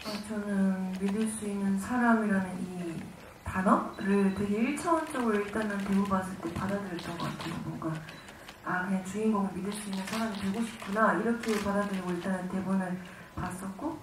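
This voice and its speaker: An actress from Gwangju giving halting, informal answers at a press conference. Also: female voice, mid-range voice. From Gwangju, South Korea. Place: cinema auditorium. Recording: echoey hall, distant mic, noisy.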